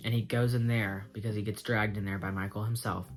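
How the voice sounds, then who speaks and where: A man's somewhat breathy, fairly low voice at a fairly quick pace. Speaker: movie reviewer. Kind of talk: casual movie review chat. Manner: rambling filler-heavy, casual; fast.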